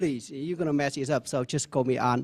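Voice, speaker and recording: A man speaks with a Vietnamese accent. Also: very clean recording, silent background. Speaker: panelist, university academic. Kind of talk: panel talk.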